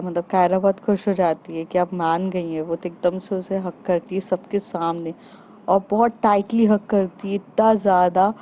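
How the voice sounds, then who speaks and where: A woman narrates a story in a relaxed, chatty way and talks to her listeners like friends. She speaks slowly in a mellow, warm tone. The recording sounds dull and lo-fi. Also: medium pitch, a little hiss or hum. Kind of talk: casual spoken storytelling.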